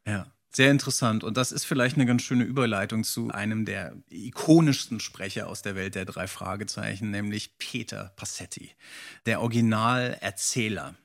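A man speaks in a lowish voice with plenty of gravelly creak. He chats casually as a podcast interviewer, attentive and inquisitive with his co-host. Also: normal speed, a bit bright.

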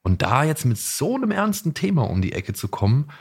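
A man's voice: a little high, big pitch swings, brisk, vocal fry, slightly rough. A man, co-hosting a podcast and putting casual questions in a roundabout, hedging way. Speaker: podcast co-host.

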